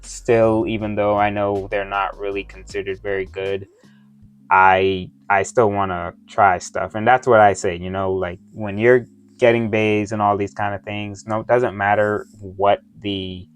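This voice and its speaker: A man wearing dental retainers that give him a slight lisp, chatting casually through an unboxing review in a halting, rambling way. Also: fairly low pitch, level tone, smooth, soft background music. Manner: halting, rambling, often losing his thread. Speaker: toy review vlogger. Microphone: close microphone within his reach.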